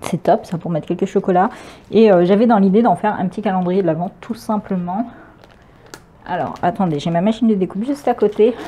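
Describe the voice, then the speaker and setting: A French woman talks casually through a craft-supply unboxing. She hesitates often, searches for words and laughs easily. Her voice sits at a middle pitch with a mellow, dark tone. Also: brisk. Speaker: crafting vlogger.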